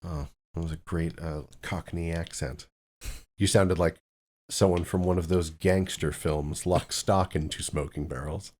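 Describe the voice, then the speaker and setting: A low-pitched man hosts a relaxed podcast chat among friends. He jokes around and leans on fillers and restarts as he talks. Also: a little slow. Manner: loose and joking, with many fillers and restarts. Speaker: podcast host. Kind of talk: casual chat.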